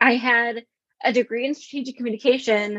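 This is an ordinary speaking voice at a moderate pace. The sound is dry and close with no echo. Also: woman. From Buffalo area, New York. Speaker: entrepreneur, digital marketing business owner. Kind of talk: casual interview conversation.

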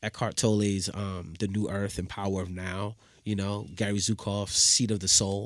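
A man with a fairly low, monotone, flat voice at a moderate pace, on a very clean recording with a silent background. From New York City, the Bronx. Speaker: author and poet. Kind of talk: casual chat. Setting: studio.

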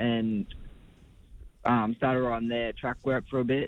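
Speaking at a fairly slow pace, a man of medium pitch keeps his intonation fairly even. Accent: Australian. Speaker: apprentice jockey. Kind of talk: interview. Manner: halting.

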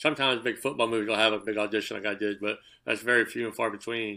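A man with an American accent at medium pitch, very fast in pace, flat and monotone, bright and sharp in tone, over a quiet background. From New York. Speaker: former stuntman and author. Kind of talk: interview.

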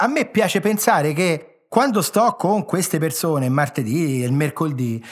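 With a slight Tuscan-Romagnol accent, a man speaks in very wide pitch swings. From Tuscan-Romagnol Apennines, Italy. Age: 40s. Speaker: guest interviewee. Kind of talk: casual interview chat.

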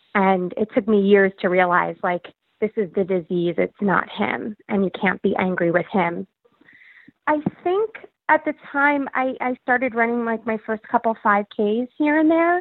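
A woman talks at a fairly slow pace with a fairly high pitch and lively intonation. She has an unremarkable speaking voice. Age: 20s. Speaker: runner sharing personal story. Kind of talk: personal testimony.

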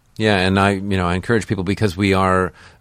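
A man talks in an American accent. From Buffalo, New York. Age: 40s. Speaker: actor and voice artist. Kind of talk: casual chat.

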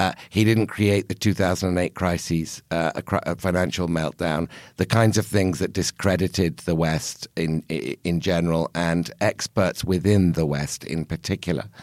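With a very deep, low pitch and ordinary pitch variation, a man talks at a fairly slow pace in a dry, close sound with no echo. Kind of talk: casual panel discussion. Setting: studio.

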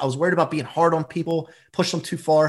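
With an animated tone, a man speaks at a fairly quick pace in a fairly high pitch. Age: 40s. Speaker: performance coach and motivational speaker. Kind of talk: interview.

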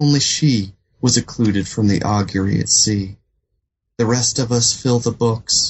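Somewhat breathy, a man speaks at a fairly slow pace in a medium pitch with fairly even intonation. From North Carolina and Washington D.C. area. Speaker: poet and creative writing teacher. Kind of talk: interview about his poetry, with a poem reading.

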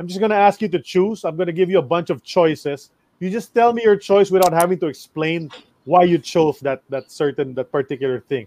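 This man has a high pitch and a dark, mellow tone. He talks at a fairly quick pace with ordinary pitch variation. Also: dry, close sound with no echo. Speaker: sports podcast host. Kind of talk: interview.

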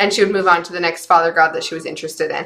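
Medium-pitched speech from a woman amid noticeable background noise. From US, raised in mainstream LDS community. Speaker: podcast co-host. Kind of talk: casual chat.

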